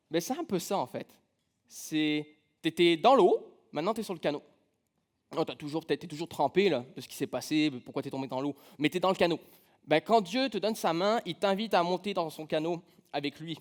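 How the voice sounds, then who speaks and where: A man with an accent from France, preaching a conversational sermon in a church, casual and humorous, telling personal stories with many fillers. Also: fairly high pitch. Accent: French from France. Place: church sanctuary.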